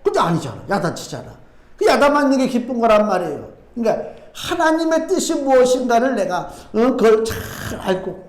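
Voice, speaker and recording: A man's voice: very high-pitched, very animated, fairly quick. A middle-aged male pastor preaching a sermon in a conversational way, asking the congregation rhetorical questions and slipping in homely asides. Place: church sanctuary. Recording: echoey church room.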